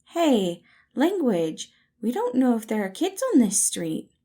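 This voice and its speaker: A woman voicing a soft, sweet, eager and affectionate man in a storybook reading. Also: fairly high pitch, very animated, a little slow, slightly rough, pitched above the performer's own voice, full character voice. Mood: gushing, scolding. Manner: gushing, tender, affectionate.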